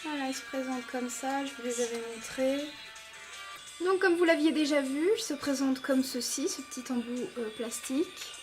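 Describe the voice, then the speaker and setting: A high, bright-sounding woman with a French accent talks in an eager, chatty way, often pausing on fillers. She reviews beauty products for her viewers. Music plays clearly behind her voice. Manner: enthusiastic, chatty, many fillers. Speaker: beauty vlogger.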